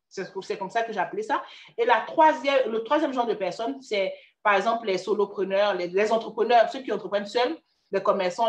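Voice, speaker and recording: Ivorian woman career coach, chatty and direct, higher voice, echoey room. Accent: Ivorian French. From Ivory Coast. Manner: chatty, addresses listener as tu, frequent restarts. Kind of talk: casual motivational talk.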